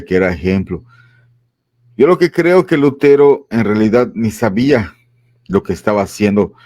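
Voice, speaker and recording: A man with a fairly low voice talks on a discussion panel, recorded dry and close. He thinks aloud, pausing often and filling gaps as he goes. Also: darkish tone, no echo. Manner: reflective, with fillers and pauses.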